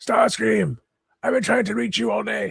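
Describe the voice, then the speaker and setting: In a raspy, put-on character voice, a man speaks at a moderate pace. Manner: irritated, commanding.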